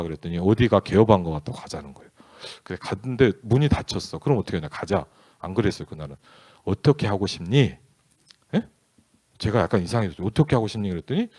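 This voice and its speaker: A man's voice: lowish voice, a little mellow, no room sound. A male pastor preaching in a candid, conversational storytelling way, acting out bits of dialogue as he tells a family story. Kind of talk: storytelling sermon.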